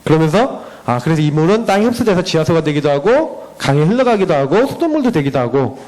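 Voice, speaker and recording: A man's voice: fairly high pitch, fast talker, poor audio. A man in his thirties, a parent giving a slide presentation at a church education session, telling stories about his children and acting out their talk. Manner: animated storytelling, acting out dialogue with his children.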